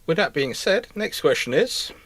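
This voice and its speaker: A man's voice: on the high side, very animated, normal speed, a bit bright, dry recording. A man hosting a casual live question-and-answer talk on history, rambling and often restarting his phrases. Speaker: livestream host.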